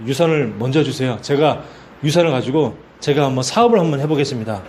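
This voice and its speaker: A humble, repentant young son, as a preacher acts him out, speaking low and pleading. His words come in an earnest, lowered tone. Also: lively intonation, fast talker, darkish tone, a little hiss or hum, close to an everyday voice.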